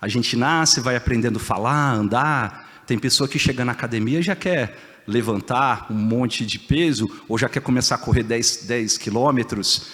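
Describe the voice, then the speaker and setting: At a moderate pace with hardly any pauses, a man speaks at a medium pitch with ordinary pitch variation. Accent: rural São Paulo. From interior of São Paulo state, Brazil (Ribeirão Preto). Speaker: agronomist, conference speaker. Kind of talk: conference talk. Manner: casual, conversational.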